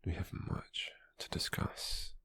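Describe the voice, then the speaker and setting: A British man playing a possessive, calculating, smug slave merchant in a hushed ASMR roleplay, with a husky, breathy, gravelly voice and a slow, deliberate delivery. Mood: cool, instructive. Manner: slow, deliberate, with lingering pauses.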